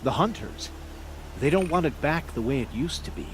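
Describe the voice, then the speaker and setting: An actor playing a serene, reclusive tribal shaman in a video game, speaking in a measured, philosophical way. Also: on the high side, animated, close to an everyday voice. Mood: serene, reflective. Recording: loud ambient noise behind voice.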